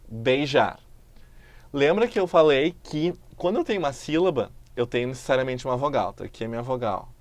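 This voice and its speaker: A man with a Brazilian Portuguese accent teaching a recorded lesson, explaining patiently and stretching example words out slowly. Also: medium pitch, a little mellow, no echo.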